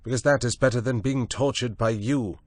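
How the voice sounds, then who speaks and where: A desperate young castaway shouts and pleads, refusing to back down, as a male reader puts him on. The voice is pushed up from a deep, slow base and carries loud and close in a dry space. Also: animated, no room sound. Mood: defiant.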